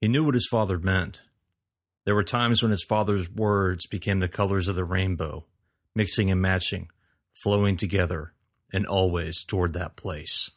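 A man giving a steady scripted narration of a fantasy story. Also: deep voice, moderate pace. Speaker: audiobook narrator.

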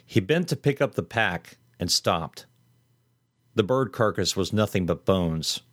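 A man reading a horror story aloud in steady, measured scripted narration. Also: low voice, dry recording, studio quality.

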